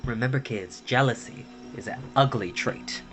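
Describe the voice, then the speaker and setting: A man's voice: mid-range voice, normal speed. A man hosting a casual story time livestream with sassy, campy drag-queen flair, chatting sweetly to viewers. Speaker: host of a live story time stream. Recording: music playing behind the voice. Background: soft ambient background music.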